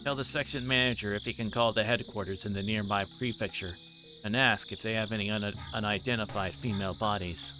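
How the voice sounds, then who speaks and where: A man's voice: fairly low pitch, steady tone, brisk, over music, lightly acted. A man voicing a dogged older police detective near retirement in a visual novel. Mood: probing.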